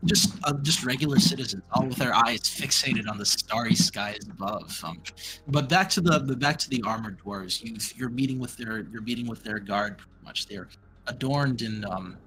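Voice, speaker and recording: Bright-voiced man running a tabletop game. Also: mid-range voice, a little hiss or hum, low-quality recording. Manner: halting, full of fillers and restarts. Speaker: game master.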